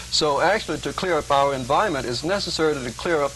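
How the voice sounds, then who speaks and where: Noticeable noise runs behind the recording. A man with a fairly high voice speaks at a fairly quick pace. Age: 40s. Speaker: breatharianism advocate. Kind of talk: TV talk show interview.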